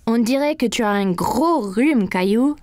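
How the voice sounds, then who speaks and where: A woman's voice: a little high, animated, unhurried, over music. A woman playing a kindly, reassuring family doctor in a children's cartoon.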